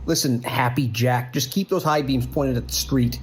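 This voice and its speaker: A man's voice: mid-range voice, moderate pace, a little hiss or hum, lightly acted. An actor playing a protective trucker and worried father, speaking firmly and urgently in a radio drama. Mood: stern, warning. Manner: firm, warning, gruffly urgent.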